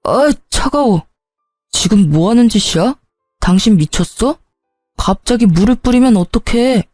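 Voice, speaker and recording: A woman's voice: medium pitch, normal speed, dark tone, no room sound, faint music behind, lightly acted. A woman narrating a story, voicing a married man who grumbles and makes excuses. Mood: annoyed. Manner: whiny, defensive, grumbling. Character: irritable hungover married man.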